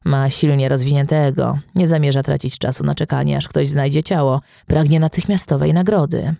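A man narrating a crime novel audiobook in a steady, even storytelling manner. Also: a little high, normal speed, creaky, dry recording, studio quality.

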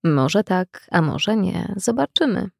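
A woman voicing a calm farmer in a parable who answers every event the same quiet way. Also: mid-range voice, takes it slowly, vocal fry, slightly rough, no echo, clean studio sound, exaggerated voice. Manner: quiet, even, softer. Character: calm old farmer, unmoved by fortune.

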